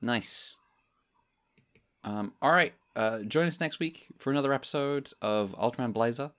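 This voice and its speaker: A man's voice: medium pitch, normal speed, fairly bright tone. A man co-hosting a podcast in casual chat, wrapping up in a loose, meandering way. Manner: loose, meandering sign-off delivery. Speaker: podcast co-host.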